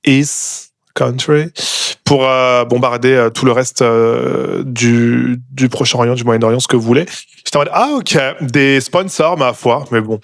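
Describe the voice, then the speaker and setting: A man's voice: medium pitch, steady tone, a little slow, creaky, no echo, clean studio sound. A man from Bordeaux hosting a casual comedic podcast, rambling and sarcastic, with plenty of hesitations. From Bordeaux, France. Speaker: podcast host.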